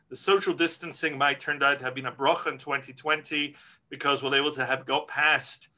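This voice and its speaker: Man, rabbi, middle-aged, slightly high voice, frank, earnest. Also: pushed and bright. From Scotland. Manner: earnest, frank, many restarts. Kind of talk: interview answers.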